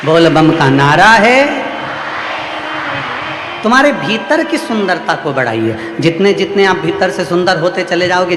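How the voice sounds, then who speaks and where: A man's voice: fairly high pitch, noisy background. A man giving a devotional sermon at a large gathering, preaching in repetitive, rhythmic phrases that build in emphasis. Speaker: religious storyteller. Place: large hall at a religious gathering. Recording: echoey hall with music behind.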